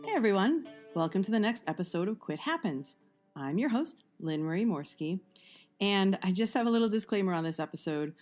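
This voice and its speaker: A woman hosting an interview podcast, hoarse and strained after losing most of her voice to allergies, chatty and quick to laugh at herself. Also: medium pitch, expressive, a little mellow, faint music behind. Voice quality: strained, husky. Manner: laughs often, self-deprecating. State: hoarse, nearly lost voice from allergies. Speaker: podcast host. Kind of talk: casual interview chat.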